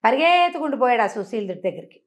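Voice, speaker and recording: A woman narrates a folk-style moral story for children. Her voice sits a little high and she speaks very quickly. She keeps it conversational and performs the characters' dialogue inside the narration. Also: very animated. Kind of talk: animated oral storytelling of a children's moral tale.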